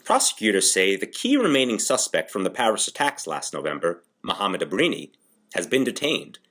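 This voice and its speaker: A man's voice: on the low side, fairly bright tone. A man reading scripted news briefs as a voice-over artist in an audition.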